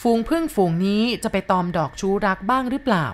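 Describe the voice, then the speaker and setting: A woman calmly narrating a first-person story as an audiobook reader, in a measured storytelling manner. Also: medium pitch.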